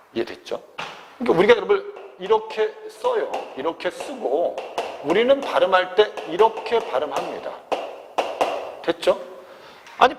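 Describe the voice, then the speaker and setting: Lively male grammar teacher, echoing room. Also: high voice. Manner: constant check-ins asking if students understood; refers to himself as teacher in third person. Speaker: Korean language teacher. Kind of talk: exam grammar lecture.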